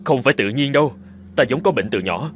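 Man acting a quick-talking tribal chief. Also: mid-range voice, animated, faint music behind, natural voice. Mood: feigned weakness. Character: brawny male tribal chief, scheming captive husband. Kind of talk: animated fairy tale dubbing.

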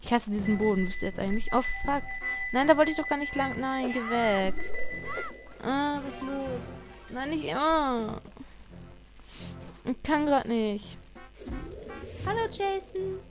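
A woman's voice: sits high, unhurried, long pauses, over music, rough recording. A woman giving casual, chatty gameplay commentary, swearing at the game as she plays. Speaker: let's player.

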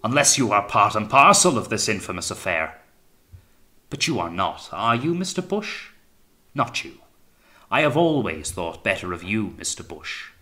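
A man voicing a paranoid, tyrannical naval captain in an audiobook sea story, taunting and accusing, swinging from quiet menace to blaring. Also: on the low side, very animated, a little slow, exaggerated voice. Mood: wary, ingratiating. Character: paranoid, sneering, tyrannical male naval captain, raging and suspicious. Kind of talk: dramatised audiobook reading of sea fiction.

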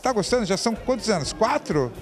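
A man's voice: high voice, sing-song, fast, over music. A man with a Brazilian Portuguese accent, hosting and interviewing guests at a party with a handheld mic, full of compliments. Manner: enthusiastic, complimentary. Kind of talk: upbeat event interview. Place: crowded evening party venue.

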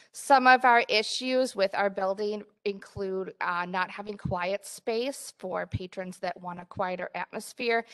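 A woman's voice: mid-range voice, clear, resonant tone. A woman, presenting a library report at a board meeting, upbeat with frequent fillers, speaking into a desk mic in a meeting room. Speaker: library director. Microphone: desk mic in front.

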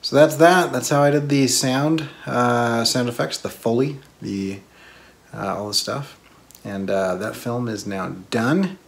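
A man in his thirties, an animator hosting his own vlog, talking in a relaxed, chatty way with fillers from his home studio. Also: mid-range voice, a little slow, vocal fry. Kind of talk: casual vlog talk. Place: home art studio, indoors.

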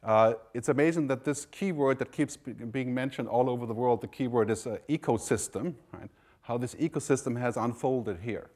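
A man from Germany speaks from the stage of a large hall, giving a keynote at an ordinary middle pitch. He keeps it conversational, dropping in "you know" and "right?" as he goes. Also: moderate pace, a little mellow. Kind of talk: conference keynote talk.

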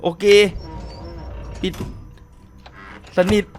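A man's voice: drawn-out words, a little mellow, soft background music. A man hosting a horror-game let's play, chatting politely with viewers and often exclaiming and laughing. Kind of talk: casual horror-game commentary.

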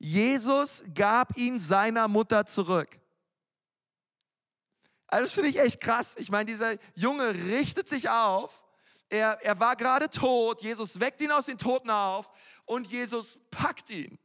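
A male pastor delivers a sermon in a relaxed, youthful manner, dropping slang and filler words as he goes. His voice sits high, and it rings out with a long reverb through a church hall. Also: unhurried. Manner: casual, youthful preaching with frequent fillers and slang.

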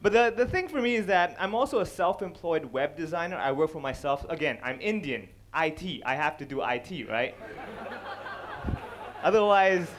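A young man from Hong Kong works a large stage as a stand-up comedian, talking into a headset mic. His voice sits high and swings through a wide, lively range. He slips into quick character voices as he tells his stories. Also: slight background noise. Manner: animated, acts out characters with quick voice changes. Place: large dark stage before a live audience.

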